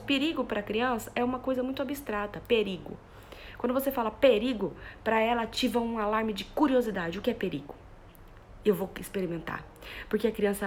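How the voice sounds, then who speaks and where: A woman gives a live talk to parents as a parenting educator, in a voice of middling pitch. She works through everyday examples and keeps checking in with her listeners. A faint hum sits behind her phone mic.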